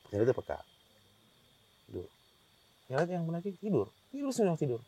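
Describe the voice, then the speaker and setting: A man's voice: on the high side, huge pitch swings, brisk, mellow, husky. A man telling a guest story in a rambling way, with many restarts and acted-out quotes. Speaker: hiker telling his experience as a guest. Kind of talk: casual storytelling interview.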